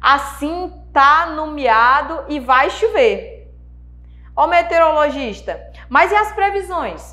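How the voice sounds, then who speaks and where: A woman speaks in a high, raised and projected voice with very wide pitch swings. Her pace is very slow. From Brazil, Maranhão (Imperatriz); Maranhão, Brazil. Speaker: schoolteacher. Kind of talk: lecture. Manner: warm, friendly. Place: studio. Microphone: lapel.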